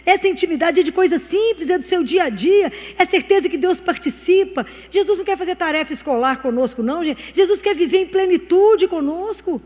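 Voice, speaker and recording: A woman's voice: extremely high pitch, animated, brisk, hardly any pauses, a little mellow. A woman giving a conversational testimony sermon, telling stories and speaking earnestly about faith. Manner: storytelling, acting out dialogue. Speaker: Christian speaker. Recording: long hall reverb.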